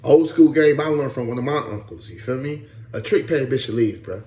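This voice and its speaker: A man's voice: mid-range voice, a little fast, mellow, reverberant, dull audio. A man in his late thirties giving blunt, profane casual commentary and often repeating "bro" and "you know what I'm saying.". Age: 30s. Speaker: podcast host.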